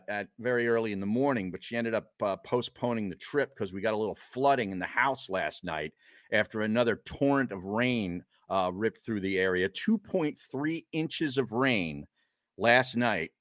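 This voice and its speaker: A man's voice: lowish voice, moderate pace, a bit bright, no room sound, clean studio sound. A man co-hosting a podcast in casual chat, blunt and jokey, rambling through stories. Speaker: podcast co-host.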